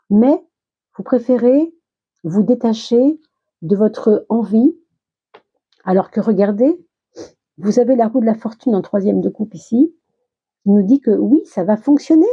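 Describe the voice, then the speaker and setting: Still getting over a small illness, this woman speaks slowly and restarts now and then while doing a friendly, comforting tarot reading for her viewers. Her voice is fairly high and animated yet very dark, mellow, breathy and husky. The lo-fi home recording sounds a bit muffled.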